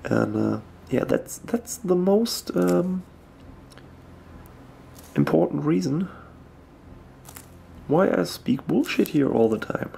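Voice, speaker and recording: A young man with a German accent, a native German speaker, talking casually and hesitantly while he paints miniatures at his desk, often pausing to search for words. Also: fairly high pitch, very animated, vocal fry, mellow, slight background noise. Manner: slow, hesitant, searching for words with many ums.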